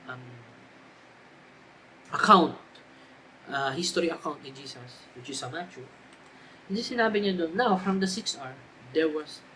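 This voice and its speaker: A man's voice: high-pitched, fairly bright tone, a little hiss or hum, rough recording. A young Filipino man preaching a youth sermon in a mix of Tagalog and English, with emphatic repetition. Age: young adult. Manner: Taglish preaching, rising to emphatic repeated cries. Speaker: youth speaker.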